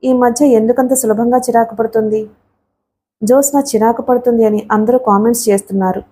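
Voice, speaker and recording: Woman narrating a novel, mellow voice. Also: on the high side, fairly even intonation, fairly quick, breathy edge. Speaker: audiobook narrator.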